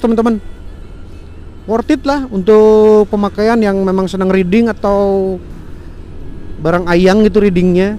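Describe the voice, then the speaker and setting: This man's voice is high with a dark tone as he chats through a gear review from his motorbike in outdoor traffic. A motorcycle vlogger, he speaks of himself in the third person, and his helmet intercom mic catches faint road and traffic sounds.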